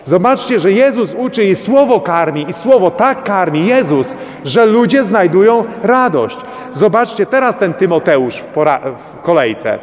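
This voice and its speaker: High-voiced priest preaching in a reverberant church. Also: male voice, sing-song, measured pace. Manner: exhorting with repeated rhetorical questions. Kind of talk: sermon.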